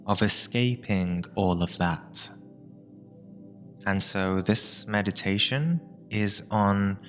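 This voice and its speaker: A man with a fairly low voice leads a guided meditation. He speaks very slowly and soothingly, breaking his sentences into short phrases with long pauses. Music plays behind him. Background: meditation music with binaural tones.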